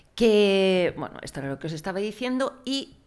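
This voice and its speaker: A woman's voice with very wide pitch swings. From Madrid, Spain; Spain. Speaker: sustainable fashion consultant and moderator; moderator. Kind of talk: conference talk. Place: meeting room. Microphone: podium.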